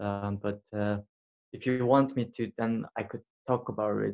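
With a Korean accent, the speech moves at a fairly slow pace with ordinary pitch variation in a dry, close sound with no echo. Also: man. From South Korea. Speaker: university student. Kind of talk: casual interview. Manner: halting.

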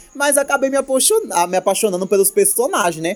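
An animated man with lively intonation over music in the background. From Brazil, Northeast. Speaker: podcaster. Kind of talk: casual chat.

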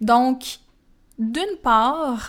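A woman with a Quebec accent speaks in a high voice with ordinary pitch variation. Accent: Québécois French. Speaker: podcast host, astrologer. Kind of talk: solo podcast monologue. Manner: frequent hesitations.

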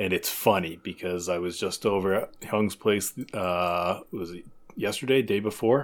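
Speaking at a fairly slow pace with fairly even intonation, a man with a Canadian accent and a fairly low pitch has an unremarkable speaking voice, recorded very cleanly against a silent background. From Canada. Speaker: former pro baseball pitcher. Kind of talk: casual chat.

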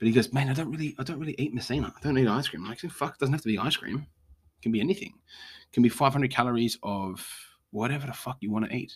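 A man with an Australian accent talks very fast at medium pitch with ordinary pitch variation, yet pauses long and often. The recording is very clean, with a silent background. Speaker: podcast host and personal trainer. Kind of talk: casual solo rant. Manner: animated.

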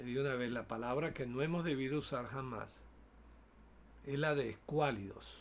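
A man with a medium-pitched voice and fairly even intonation speaks at a moderate pace, leaving long, frequent pauses. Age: 60s. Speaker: former finance minister and professor. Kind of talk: interview. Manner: hesitant, repeats words.

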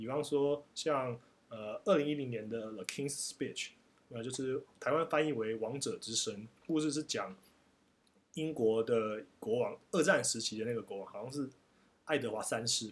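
A man's medium-pitched voice with ordinary pitch variation, at a fairly slow pace. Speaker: podcast host. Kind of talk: casual chat. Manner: animated.

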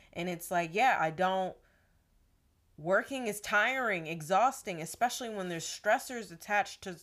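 Delivered at a moderate pace, a normal speaking voice moves with lively intonation. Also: woman. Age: 30s. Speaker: podcast co-host. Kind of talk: casual chat.

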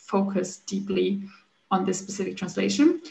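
A woman speaks with a German accent and vocal fry. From Germany. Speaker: localization specialist. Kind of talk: interview.

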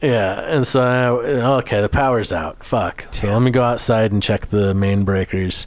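A man at a medium pitch, moderate pace and ordinary pitch variation. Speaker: podcast co-host. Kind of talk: casual chat. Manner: talks over co-host a lot.

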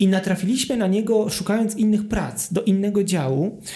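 The voice belongs to a man with a dark, mellow tone. He keeps to a moderate pace. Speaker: art historian and exhibition curator. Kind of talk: interview.

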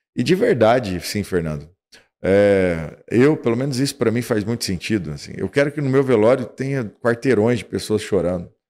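Speaking at a moderate pace in a normal speaking voice, the man has a medium pitch and lively intonation, on a very clean recording with a silent background. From Brazil, interior of São Paulo state. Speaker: leadership trainer. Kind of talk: interview conversation.

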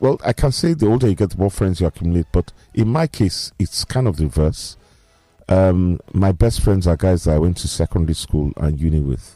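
A man's very deep, low voice, dark and mellow in tone, with lively intonation. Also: dry, close sound with no echo. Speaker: radio sports show host. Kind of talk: casual chat. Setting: radio studio.

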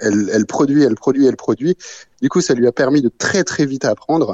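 The man has an ordinary speaking voice at a medium pitch. He talks at a fairly quick pace with ordinary pitch variation. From Belgium, Brussels. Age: 30s. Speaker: comedian. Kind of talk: casual chat.

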